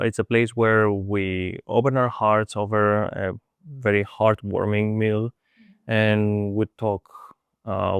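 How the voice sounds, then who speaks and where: A man from Greece interviewing a home cook, speaking in a slow, halting, affirming way. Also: fairly low pitch, clean tone, dry recording, clean studio sound. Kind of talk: casual interview.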